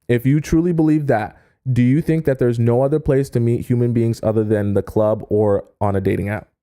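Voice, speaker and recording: A man giving dating advice on a livestream, stressing key points with deliberate pauses and reading viewer chat aloud. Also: medium pitch, steady tone, dark tone, smooth. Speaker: dating coach.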